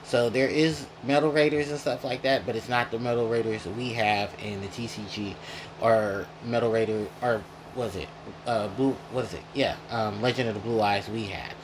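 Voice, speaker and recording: A man's voice: mid-range voice, steady tone, moderate pace, background noise. A man hosting a casual gaming retrospective, rambling and correcting himself as he goes, chewing while he talks. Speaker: gaming video host.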